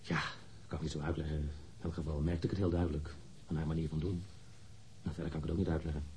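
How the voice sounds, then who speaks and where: A man's voice: rumbling low, little pitch movement, fast talker, darkish tone, a little hiss or hum. An actor playing a guarded, reluctant engineer in his thirties being questioned in a radio drama, answering curtly and somewhat irritably. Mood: irritated. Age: 30s.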